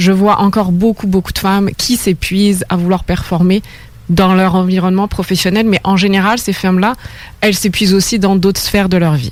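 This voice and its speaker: Her voice sits at a medium pitch for a woman, with monotone, flat intonation and very even loudness. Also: fairly quick pace. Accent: non-native. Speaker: performance coach. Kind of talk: radio interview. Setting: radio studio.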